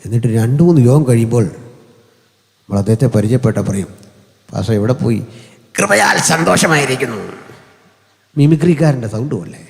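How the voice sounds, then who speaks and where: A man with a Malayali accent preaching a sermon in a large hall, speaking into a mic through an amplifier, conversational and humorous with sudden high-pitched climbs. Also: a little fast, long pauses, mellow. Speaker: pastor. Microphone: hand or stand mic through an amplifier. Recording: long hall reverb.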